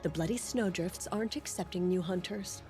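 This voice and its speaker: A woman's voice: fairly low pitch, normal speed, dark tone, natural voice. A woman playing an irritable, sardonic young tribal huntress in a video game cutscene. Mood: grudging, curt. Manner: blunt, sardonic. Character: sharp, irritable young female tribal hunter. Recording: music behind the voice.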